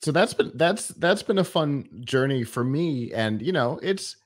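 A man hosting a tech show, interviewing a guest in a relaxed, conversational way, recorded in a studio. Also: mid-range voice, unhurried. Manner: relaxed, conversational, with restarts and short acknowledgements. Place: studio with a screen behind.

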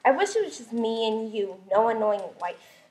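Young woman as a high-voiced henpecked husband puppet. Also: big pitch swings, moderate pace, darkish tone. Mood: doting, resentful. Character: lovelorn, henpecked husband devoted to his pet panda. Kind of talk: amateur school puppet show. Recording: echoey room, clear background noise.

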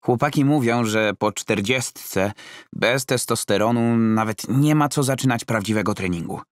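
Man acting an eager stammering middle-aged banker, higher-pitched. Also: dry recording, studio quality, close to an everyday voice. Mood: insistent. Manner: stammering, excitable, halting.

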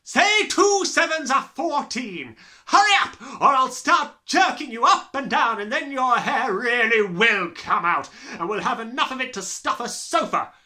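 A man's voice: very high voice, expressive, unhurried, pushed and bright, voice pushed up, full character voice. A man voicing a huge, bullying, furious headmistress from a storybook, barking and bellowing with contempt. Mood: bellowing fury. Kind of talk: storybook character reading.

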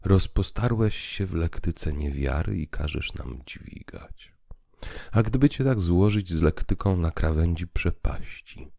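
Man playing a wry, slow-spoken priest. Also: deep voice, expressive, vocal fry, warm tone, no room sound, studio quality, full character voice. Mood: chiding. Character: wry, unhurried male priest chiding a sceptic. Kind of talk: audiobook character dialogue.

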